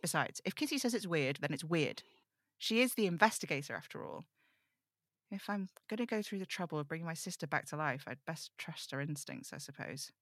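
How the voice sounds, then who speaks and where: Woman acting young amateur occult sleuth in an audio drama, lowish dry voice, chatty, fretful, rambling to listeners. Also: lively intonation, a little fast, no room sound. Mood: wry, resigned. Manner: chatty, self-interrupting, muttering asides. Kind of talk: audio drama table read, confiding monologue.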